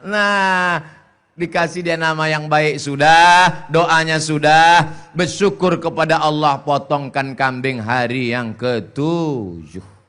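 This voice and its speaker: A man's voice: fairly high pitch, slow pace, a bit bright, clear, resonant tone. A man giving a humorous sermon as a preacher, telling jokey stories and putting on voices. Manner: jokey storytelling with mimicked voices and sung lines.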